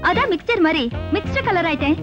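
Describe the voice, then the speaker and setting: Very high, affected female voice for a woman showing off, on a dull film soundtrack. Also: animated, fast, music in the background. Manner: affected, showing off modern tastes. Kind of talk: 1990s film comedy acting.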